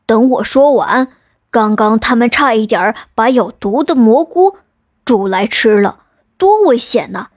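A woman voicing a kind, upright young male cook in a storybook tale, speaking earnestly in a lowered voice. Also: animated, unhurried, no room sound, clean studio sound.

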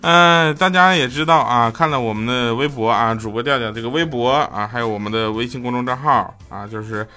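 A man's voice: mid-range voice, brisk, few pauses. A man with a Northeastern Chinese accent hosting a comedy podcast, chatting casually and playfully and often breaking into laughter. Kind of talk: casual comic chat reading listener messages and telling jokes. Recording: loud background music. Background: music.

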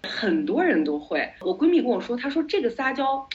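A woman's voice: a little high, brisk. A woman podcast host telling stories in a casual chat, dropping English words into her speech. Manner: animated storytelling, mixes in English words. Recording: slightly dull lo-fi audio.

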